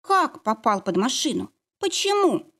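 A woman's voice: fairly high pitch, big pitch swings, fairly quick, darkish tone. A woman voicing a worried, half-asleep teenage girl who pleads with her mother. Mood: alarmed.

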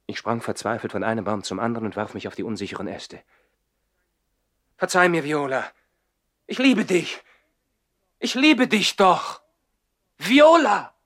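A man's voice: mid-range voice, a bit bright, no echo, studio quality, full character voice. An actor playing a lovesick nobleman who lives in the trees, in a theatrical 1960s German radio play. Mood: desperate, pleading. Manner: theatrical, swinging from reflective telling to anguished outbursts.

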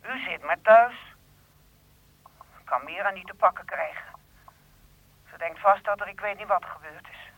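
A woman's voice: medium pitch, a little slow, pauses often, fairly bright tone, no room sound. An older woman acting in a radio drama, playing an anxious, irritable mother who is impatient and complains. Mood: anxious, defensive. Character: anxious, irritable elderly mother with aching legs. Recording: dull lo-fi old radio play recording.

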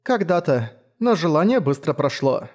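A woman's voice: low voice, sing-song, moderate pace, a little mellow. Man putting on a timid young girl warrior. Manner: hesitant, apologetic, stammering. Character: timid young female apprentice warrior, shy.

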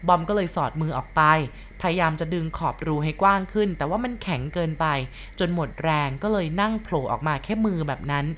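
A woman's voice: deep voice, fairly quick, hardly any pauses, slight background noise. A woman narrating a ghost story in a polite, conversational storytelling manner. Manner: polite and conversational, with soft sentence endings.

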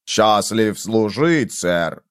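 Мужчина, читающий аудиокнигу, озвучивает услужливого робота-бармена холодным, механическим, однообразным голосом. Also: male voice, lowish voice, animated, drawn-out words, clean tone, dry recording, clean studio sound, voice pushed down. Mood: mocking. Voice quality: cold, mechanical, repetitive. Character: cold, obliging male robot bartender. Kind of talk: audiobook reading.

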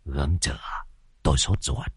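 Man voicing a gruff old exorcist, impatient grumble, very low quiet voice. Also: normal speed, dry recording, clean studio sound, heavily acted. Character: impatient, excitable older male ghost-hunting master.

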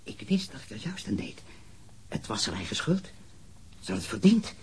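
A man's voice: mid-range voice, big pitch swings, moderate pace, slight background noise. An actor playing a disturbed, self-righteous male murder suspect, agitated, accusing and repeating himself in a crime drama. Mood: defensive, disgusted. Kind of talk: dramatic film-style crime acting.

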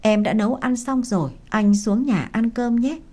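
A woman's voice: fairly high pitch, moderate pace, close to an everyday voice. A woman doing a curt, withdrawn father. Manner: curt, subdued, quiet. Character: withdrawn, guilt-ridden middle-aged father.

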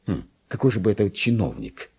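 An actor playing a lowly, paranoid, resentful male clerk in a dramatic radio monologue, brooding and muttering with theatrical outbursts. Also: very animated, brisk, gravelly, mellow, husky, exaggerated voice. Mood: suspicious.

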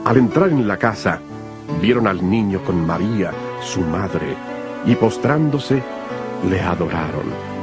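A man with a lowish voice reads scripture as a narrator, solemn and measured. His intonation is lively, and music plays clearly behind him. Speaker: Bible narrator.

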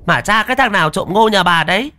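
A sharp-tongued village woman in her forties, put on by a man in a horror tale. She scolds in a high, shrill register with rapid-fire complaints. Close, dry recording. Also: animated, no room sound. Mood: scolding.

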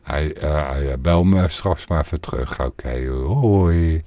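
A man's voice: very deep voice, measured pace, dark tone, no echo. A man hosting a podcast, leaving a casual, teasing voicemail for a friend who didn't pick up. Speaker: podcast host. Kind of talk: leaving a voicemail on a live call.

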